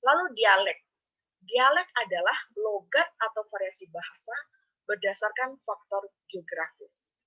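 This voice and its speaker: Bright-voiced woman lecturing students. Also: mid-range voice, lively intonation, unhurried, breathy edge, dull audio. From Indonesia. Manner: explains step by step, addresses students directly. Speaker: university lecturer. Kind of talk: online lecture.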